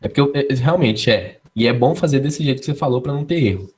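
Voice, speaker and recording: A man's voice: medium pitch, lively intonation, fast talker, husky. A man with a Brazilian Portuguese accent teaching a live online physics class, casual and constantly checking in with his students.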